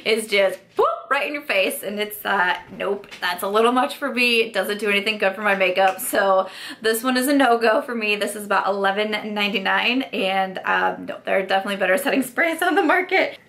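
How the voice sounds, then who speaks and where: A woman's voice: mid-range voice, a little fast, a bit bright. Chatty woman vlogger with a sore throat. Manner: chatty, frank, filler-heavy with likes. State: losing her voice from a sore throat. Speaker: beauty vlogger. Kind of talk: casual product review.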